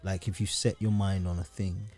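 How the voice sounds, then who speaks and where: A man chatting as a podcast guest, joking and animated, swearing freely. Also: low-pitched, moderate pace, faint music behind. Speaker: podcast guest, musician and sound engineer. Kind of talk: casual podcast conversation.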